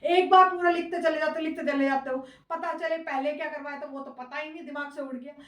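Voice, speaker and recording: A woman's voice: high voice, steady tone, fast talker, fairly bright tone. Female coaching teacher, fond but scolding, recorded from a distance in a roomy space. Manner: scolding yet affectionate, calls students "beta", mixes English words. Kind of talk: casual classroom lecture. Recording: echoey room, voice from far.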